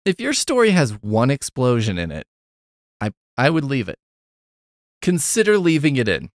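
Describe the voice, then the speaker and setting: A man's voice: mid-range voice, wildly swooping pitch, moderate pace, no echo, studio quality. A middle-aged man hosting a podcast in casual chat, retelling a story in a rambling, sarcastic way with plenty of swearing and asides. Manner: rambling, heavy on fillers and asides. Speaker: podcast host.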